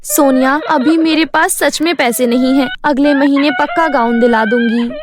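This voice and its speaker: Woman as a patient, high-voiced worried elder sister. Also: fairly even intonation, moderate pace, background noise, natural voice. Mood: gently firm. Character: patient, worried poor elder sister, caring and self-sacrificing.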